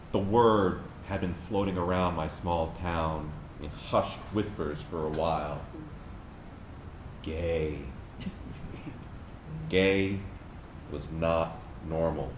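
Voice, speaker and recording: A man acting in a staged reading as a gay man looking back on his youth, speaking deliberately with emphatic pauses. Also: deep voice. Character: gay man recalling a fearful small-town youth. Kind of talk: dramatic monologue read from a script to an audience. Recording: roomy stage recording with faint noise.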